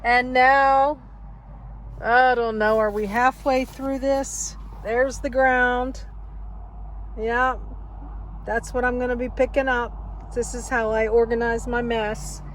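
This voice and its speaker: Wistful older woman, unhurried and higher-pitched. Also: level tone, a little hiss or hum. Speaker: vlogger. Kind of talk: casual reminiscing vlog, reading old letters aloud. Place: inside a parked car.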